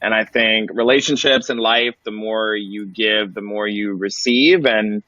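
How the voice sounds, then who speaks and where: A man's voice: on the low side, fairly even intonation, measured pace, bright, forceful tone, no room sound. A man giving a polished, aphoristic introduction as a chief executive on an online panel. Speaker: CEO, webinar panelist. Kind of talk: polished professional pitch. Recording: muffled dry online-call audio.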